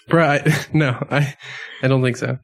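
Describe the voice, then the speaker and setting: A man's voice: medium pitch, a bit bright. A man playing a tabletop game with friends, talking casually in character in a hesitant, rambling, slangy way. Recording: music playing under the voice.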